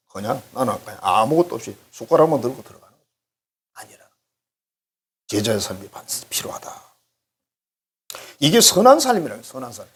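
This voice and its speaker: Middle-aged male pastor, husky and animated, a folksy, joking sermon delivery. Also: mid-range voice. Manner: conversational, joking, acts out little dialogues. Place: church sanctuary.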